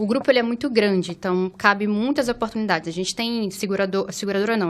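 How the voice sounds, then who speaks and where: This is a woman with a plain, everyday voice. She talks at a fairly quick pace with ordinary pitch variation. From Brazil, Maranhão (São Luís). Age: 30s. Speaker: car dealership sales manager. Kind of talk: podcast interview.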